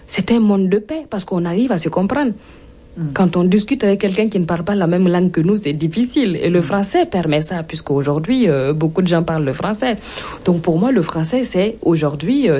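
A woman's voice: fairly low pitch, mellow, slightly rough. A woman from Burkina Faso with a Burkinabé accent, a Mooré speaker, guest author and comedian reading and talking in an interview.

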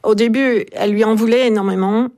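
Gravelly-voiced woman recounting a story. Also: fairly high pitch, steady tone, fairly quick, a little mellow. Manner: conversational, frequent hesitations. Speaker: book author, interview guest. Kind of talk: radio interview, recounting a story.

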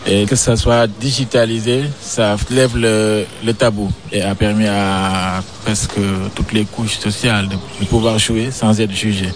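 A man's voice: lowish voice, little pitch movement, a little slow, hardly any pauses, a little hiss or hum. A man from Senegal answering radio interview questions, hesitant, with frequent restarts. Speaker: interviewee, sports business founder.

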